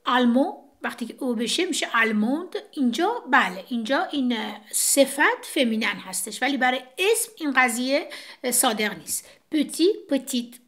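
Brief: woman French teacher, slightly high voice, walks through examples on a board. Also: expressive, a bit bright. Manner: explains step by step, pointing to a board. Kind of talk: casual classroom explanation.

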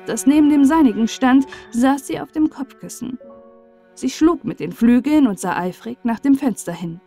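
A woman narrating a fairy tale as a bedtime audiobook, with measured, expressive storyteller delivery. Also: mid-range voice.

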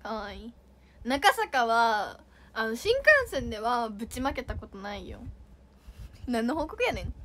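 Young female idol, high voice, playful and giggly, casual livestream chat with viewers. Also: very animated, a little slow, a bit bright. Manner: playful and giggly, reads comments aloud and reacts.

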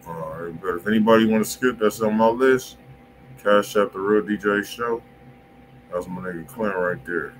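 Man, American accent, lowish pitch, casual slangy chat, livestream host, noisy ambience. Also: moderate pace. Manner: slangy, informal. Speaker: music review livestream host. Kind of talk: casual chat, informal song feedback.

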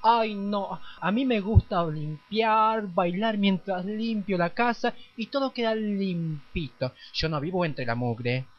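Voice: mid-range voice, slow, hardly any pauses. An actor voicing a campy, eager trans amateur dancer in a parody radio play, effusive and confiding. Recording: dry, dull lo-fi audio.

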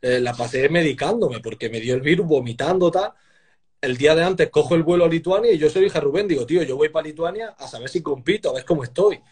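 A man in his twenties from Spain, chatting casually on a live video call from a small room, relaxed and laughing often. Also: on the high side, fast talker, breathy edge. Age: 20s. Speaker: powerlifter guest. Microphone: webcam on a video call.

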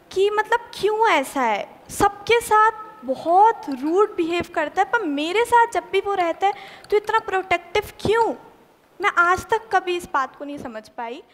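A woman's voice: extremely high pitch, fairly bright tone, long reverb tail. A young performer playing a puzzled young woman, in a stage monologue.

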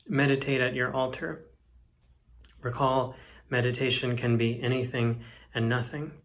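Very slow, even-toned young man reading. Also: medium pitch. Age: young adult. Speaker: poetry reader. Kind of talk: reading a poetic text aloud. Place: indoors, plain room.

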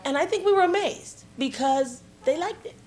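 A woman's voice: sits high, lively intonation, normal speed, a little mellow. A middle-aged woman explaining community work in an indoor interview. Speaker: local assembly member.

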